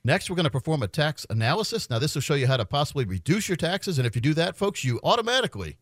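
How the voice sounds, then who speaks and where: A middle-aged man hosting a financial radio show, making a folksy infomercial sales pitch straight to the listeners. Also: big pitch swings, fast, no echo, clean studio sound. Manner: folksy, addresses listeners directly. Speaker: financial radio show host, retirement adviser.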